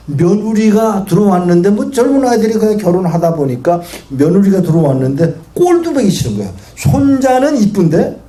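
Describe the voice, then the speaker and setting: A male guest pastor preaching a sermon to a congregation, telling stories and asking the audience questions. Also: high-pitched. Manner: animated storytelling preacher who asks the audience questions. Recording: echoey hall with faint noise.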